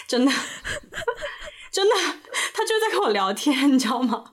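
A young woman from China tells stories on a casual podcast. She is animated and laughs often. Her voice sits a little high for a woman. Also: slow pace. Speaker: podcast co-host. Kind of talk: casual chat.

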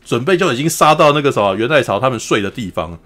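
A man, hosting a podcast. He retells a drama in a chatty, laughing way, keeps asking "you know?", and acts out the quotes in a higher voice. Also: animated, fast, a bit bright. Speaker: podcast host. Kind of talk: casual storytelling recap of a TV drama.

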